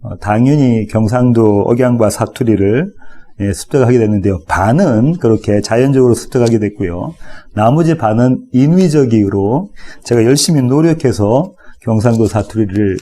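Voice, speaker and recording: Mellow-voiced Korean pastor preaching casually. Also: male voice, medium pitch, moderate pace. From South Korea. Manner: relaxed, conversational preaching with light humor. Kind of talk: expository sermon.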